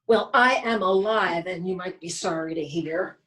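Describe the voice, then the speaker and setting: A woman's voice: on the low side, moderate pace, fairly bright tone, natural voice. A woman playing a cranky, exasperated elderly Jewish wife in a stage play reading, grumbling and muttering to herself. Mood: grumbling, fussing. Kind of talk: stage play reading over video call.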